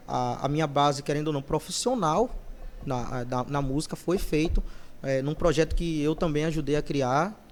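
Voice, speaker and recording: A man with a fairly high voice for his sex tells stories as a guest on a podcast, speaking casually and conversationally. He brings his anecdotes to life by acting out the voices of the people he quotes. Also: a little hiss or hum. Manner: lively storyteller who acts out quoted voices. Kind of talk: casual storytelling interview.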